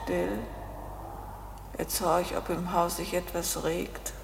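An actress playing a cold, insistent woman who gives measured orders and goads in a crime radio play. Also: fairly low pitch, flat delivery, creaky, in a large hall, a little hiss or hum. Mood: quietly insistent. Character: cold, commanding, goading woman accomplice.

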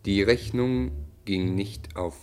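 A man announces radio play credits in a scripted manner. His voice is very deep and unhurried, with plucked guitar music behind it.

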